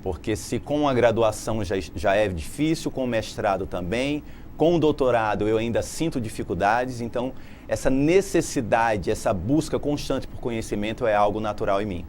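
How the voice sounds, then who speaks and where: A man's voice: lowish voice, normal speed, a little mellow, a little hiss or hum. Articulate Brazilian man being interviewed. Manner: articulate, explanatory, laughs easily. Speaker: political scientist guest.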